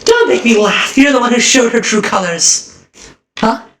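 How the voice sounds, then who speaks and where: A man voicing a proud, elegant young woman in a strained falsetto. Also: lively intonation, normal speed, pushed and bright, exaggerated voice. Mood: scornful. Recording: roomy distant mic, music behind.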